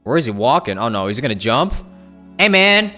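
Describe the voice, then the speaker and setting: A man's voice: mid-range voice, very animated, fairly quick, pushed and bright. A man doing casual livestream commentary on a game while chatting with viewers, close on the mic. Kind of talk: casual gameplay commentary and chat reading. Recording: game music behind the voice.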